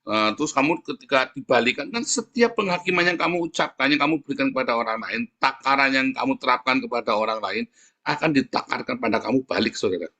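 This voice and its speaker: A man from Indonesia with a Javanese Tegal accent, preaching a sermon in a chatty storytelling way. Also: quick pace. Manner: animated storytelling, jumps up into high mimicking voices.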